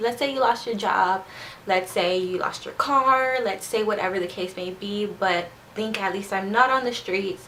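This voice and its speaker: A woman's medium-pitched voice at a moderate pace, with ordinary pitch variation and noticeable background noise. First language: Spanish. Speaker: beauty vlogger. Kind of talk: casual chat. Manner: slurred words.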